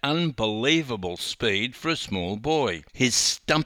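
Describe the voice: What you hear is plain reading aloud.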